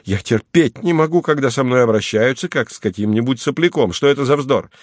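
A man voicing an excitable, easily offended male hunter who talks loudly and pompously. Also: a little fast, no room sound, studio quality, natural voice. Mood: indignant. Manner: loud, indignant, higher-pitched.

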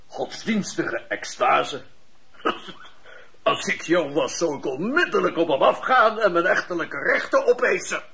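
Creaky, teasing old man. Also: a little high, expressive, measured pace, bright, forceful tone, heavily acted. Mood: teasing, sly. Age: older. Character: mischievous old man, teasing, dry and worldly. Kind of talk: Dutch radio drama acting. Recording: lo-fi radio recording with clear hiss.

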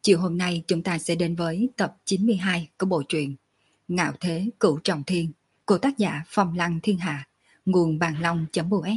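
A woman hosting an audiobook channel, reading a serialized novel aloud with steady narration. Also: lowish voice, moderate pace, husky.

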